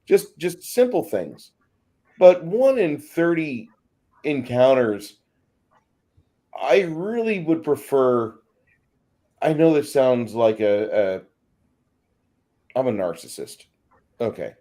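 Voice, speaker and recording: A man's voice: mid-range voice, sing-song, slow pace, pauses often, warm tone. A man speaking casually as a discussion panelist, emphatic and given to repeating his phrases.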